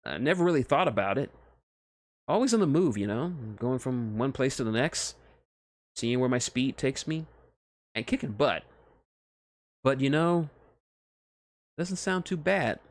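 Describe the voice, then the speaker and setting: A cocky young hedgehog hero from a fan story, acted out by a man. He talks in casual slang, playful and teasing, with loyalty under the bluster, his pitch raised a little in a dry, close recording. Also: lively intonation, a little slow, pauses often, no echo. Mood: easygoing.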